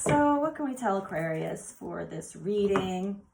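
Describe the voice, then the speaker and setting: A woman whose voice is raspy from laryngitis, doing an oracle card reading for viewers and exclaiming eagerly over the cards in a soft, meandering way. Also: medium pitch, expressive, measured pace, background noise. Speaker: card reader.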